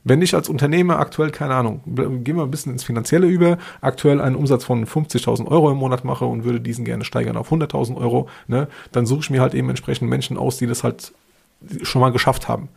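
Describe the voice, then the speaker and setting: A man's voice: mid-range voice, steady tone, quick pace, vocal fry, darkish tone, slightly rough. A man co-hosting a podcast in casual, slangy talk, often stammering over the starts of his words. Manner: informal, slangy, stammering repeated word starts. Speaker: podcast co-host.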